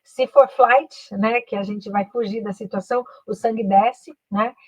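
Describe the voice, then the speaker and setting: A woman, giving a career coaching talk on a live stream and switching into slow English, with frequent "né" and "ok" tags. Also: fairly high pitch, steady tone, no echo, low-quality recording. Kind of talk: live online talk, mixing Portuguese and English.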